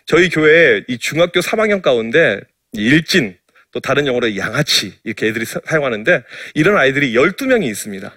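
Middle-aged pastor telling funny stories. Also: male voice, mid-range voice, very animated, fast, bright, forceful tone, no room sound, studio quality. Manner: playful, self-mocking, anecdotal. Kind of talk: humorous sermon storytelling.

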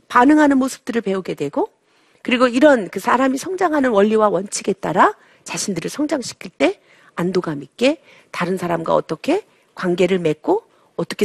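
Lively woman preaching on parenting, gravelly. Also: medium pitch, no echo, studio quality. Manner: lively, acts out babies' and mothers' voices. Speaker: Christian parenting speaker. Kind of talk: sermon-style lecture on parenting.

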